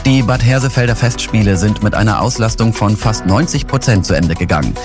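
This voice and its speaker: Man, low voice, regional news update, loud music bed. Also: fairly quick. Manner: steady reading over music. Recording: over loud background music.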